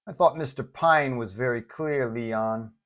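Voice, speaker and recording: A cold supervillain henchman, played by a male narrator, speaks with slow menace and fixed purpose. He sounds like a comic-book enforcer delivering threats in an audio story. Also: medium pitch, natural voice. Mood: cold, threatening. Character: menacing electric-powered villain minion, cold and purposeful.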